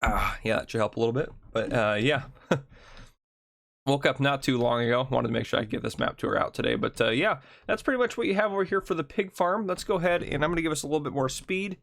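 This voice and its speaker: A man hosting a casual video game map tour, chatty and thinking aloud, his voice gravelly from just waking up. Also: medium pitch, expressive, fairly bright tone, dry recording, clean studio sound. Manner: chatty, thinks aloud with ums and quick asides. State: gravelly morning voice. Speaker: gaming channel host.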